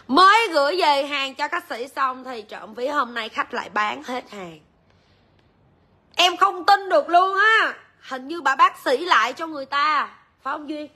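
Bright high-voiced woman. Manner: chatty, addresses viewers directly. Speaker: livestream jewelry seller. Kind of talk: live-selling chat.

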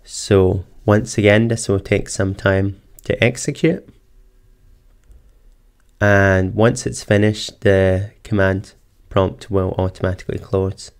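Low, smooth-voiced man explaining software steps. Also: level tone, slow. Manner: methodical step-by-step explaining. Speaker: tech tutorial presenter. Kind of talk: screen-recorded software walkthrough. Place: voice-over for screen capture.

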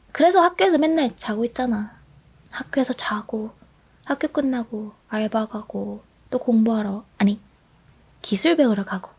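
A woman's voice: fairly high pitch, darkish tone, husky. A young woman voicing a bold, chatty teenage schoolgirl at the bottom of her class, teasing and asking question after question in a whispered role-play. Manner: teasing, talkative, rapid questions.

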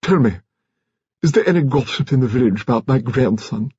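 A man's voice: mid-range voice, lively intonation, brisk, dark tone, slightly rough, no echo, highs cut off, voice pushed up. A man voicing a bossy, grand old aristocratic lady with a peremptory, prying way of talking, for a story. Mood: imperious, prying.

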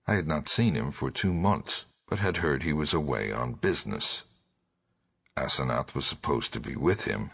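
A man with a gravelly, raspy voice giving a measured, grave reading of gothic horror as an audiobook narrator. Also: very deep voice, a bit bright.

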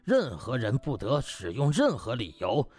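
A man's voice: mid-range voice, huge pitch swings, a little slow, darkish tone, husky, full character voice. A man voicing a shrewd older party official in an audiobook, giving pompous, emphatic speeches. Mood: stern, official. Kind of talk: audiobook character acting.

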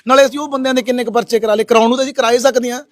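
A very high-pitched man from Punjab talks fast, working as a social worker in a village. He confronts people sharply and questions gently, recorded outdoors on a handheld camera. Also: steady tone, dry recording. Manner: shouts angrily at villagers, then speaks softly to the rescued man.

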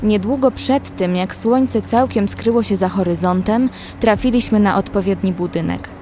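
Actress as a measured young woman survivor over music. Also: mid-range voice, mellow, lightly acted. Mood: measured, uneasy. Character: young female survivor narrating a zombie apocalypse, anxious, observant. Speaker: narrator and actress in audio drama. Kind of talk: scripted first-person horror story narration. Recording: music under the voice.

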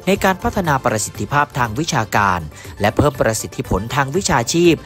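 A man reading a scripted news voice-over in a smooth, even manner. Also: medium pitch, fairly quick, soft background music. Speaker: news narrator.

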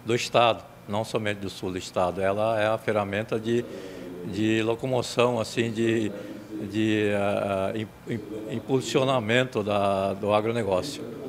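An older man with a Brazilian accent giving a halting TV interview answer. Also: lowish voice, fairly even intonation. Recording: busy crowd behind.

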